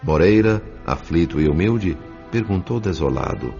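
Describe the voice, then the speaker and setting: A man giving solemn, measured, dramatic narration of a scripted audio story. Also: low voice, animated, dark tone. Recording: dull sound with music underneath.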